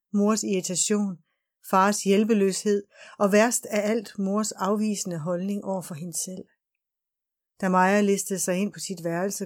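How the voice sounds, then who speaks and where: A woman reading a novel aloud as an audiobook narrator, calm and even. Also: fairly low pitch. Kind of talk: scripted narration.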